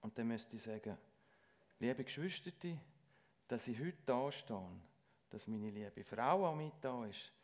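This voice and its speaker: A middle-aged man delivers a sermon in church. He speaks earnestly and haltingly, often breaking off and restarting his sentences. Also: medium pitch, animated, darkish tone. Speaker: lay preacher.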